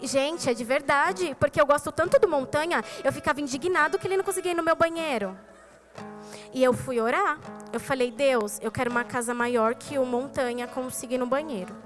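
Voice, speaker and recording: A woman's voice: sits high, normal speed, faint music behind. A woman with a Brazilian Portuguese accent giving a testimony in a church sermon, telling her story and speaking straight to the congregation. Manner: storytelling, addresses the congregation directly. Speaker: preacher. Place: church service.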